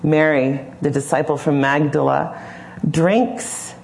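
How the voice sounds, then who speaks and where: A woman preacher retelling a scripture story slowly and imaginatively, often pausing to question the listener. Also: sits low, steady tone, vocal fry. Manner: slow, imaginative, gently questioning. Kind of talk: storytelling sermon.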